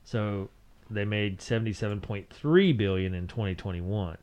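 A man's voice: lowish voice, normal speed, darkish tone, muffled recording. A man co-hosting a podcast with casual banter, sarcastic and mock-exasperated in manner. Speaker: podcast co-host.

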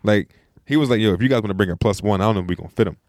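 A man's voice: fairly low pitch, rapid-fire, a little mellow, dry recording, clean studio sound. A young man co-hosting a podcast, chatting casually with loose slang and frequent laughs. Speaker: podcast co-host.

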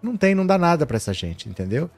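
Middle-aged male live-stream host, indignant, direct to viewers, higher-pitched voice, dry close sound. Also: big pitch swings, fast, gravelly, darkish tone, no echo, soft background music. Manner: indignant, talks straight to viewers. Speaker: live-stream political commentator. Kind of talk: casual live-stream commentary.

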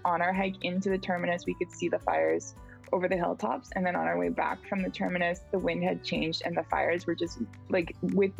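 A woman recounting her hike in a flat, creaky voice. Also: lowish voice, fairly quick, soft background music, poor audio. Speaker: interviewed hiker. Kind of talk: recounting a story.

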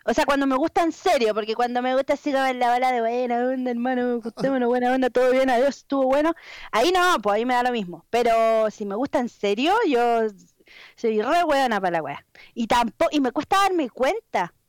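A young woman with a Chilean accent, telling a story in a casual chat, expressive and full of slang. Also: a little high, fairly quick, smooth, dry recording, studio quality. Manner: expressive, slangy storyteller who acts out quotes.

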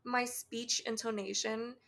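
A woman with a Canadian accent and heavy vocal fry, co-hosting a casual podcast chat with long pauses. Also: fairly high pitch, flat delivery, a bit bright. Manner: long pauses, candid and swearing. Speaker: podcast co-host.

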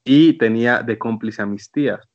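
A man's voice: medium pitch, moderate pace, dry recording, lo-fi sound. A man, hosting a podcast in a casual, joking way. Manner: joking, teasing. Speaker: podcast host. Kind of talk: casual chat.

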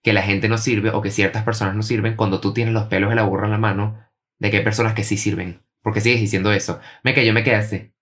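A man's voice: lowish voice, little pitch movement, fast, fairly bright tone. A Venezuelan man in casual podcast chat, telling stories animatedly and acting out quoted dialogue.

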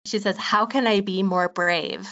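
A woman's voice: medium pitch, steady tone, measured pace, a bit bright. A woman hosting a podcast, reading out listener questions and responding to the guest. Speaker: podcast host. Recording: dull, slightly lo-fi sound.

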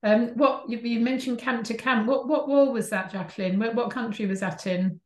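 A woman's voice: a little high, fairly even intonation, moderate pace. A woman hosting an interview, welcoming her guest and asking questions in a friendly way. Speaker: host. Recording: roomy echo.

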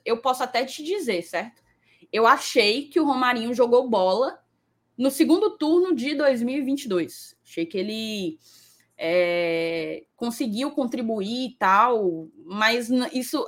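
Woman on a live sports stream, kinda high voice, chatty and teasing, reads the chat out loud. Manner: chatty, reads viewer comments aloud, playful teasing. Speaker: podcast co-host.

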